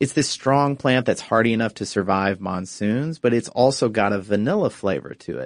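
A man with an ordinary speaking voice, medium pitch, moderate pace, and hardly any pauses. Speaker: podcast co-host. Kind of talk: casual chat.

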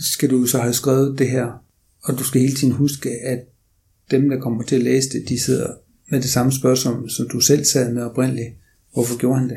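A man at medium pitch speaks at a moderate pace in a somewhat breathy, dark, mellow voice, with monotone, flat intonation and long, frequent pauses. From Denmark, Aarhus. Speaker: journalist. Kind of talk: interview.

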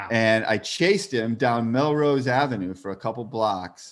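Someone with a plain, everyday voice speaks at a fairly slow pace in an American accent, with ordinary pitch variation. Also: man. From US Midwest; Peoria, Illinois area. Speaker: comedian. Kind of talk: casual chat.

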